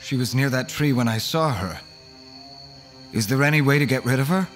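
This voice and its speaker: An actor playing an earnest, haunted man who recounts his horror story in measured, dramatic first-person audio drama narration. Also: mid-range voice, animated, fairly bright tone, soft background music, natural voice. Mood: worried, earnest.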